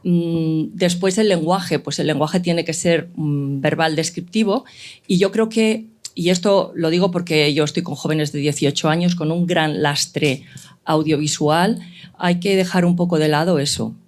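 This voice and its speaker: A woman's voice: low voice, fairly even intonation, unhurried, a little mellow. A woman moderating an informal panel, explaining her view and posing questions with frequent small checks for agreement.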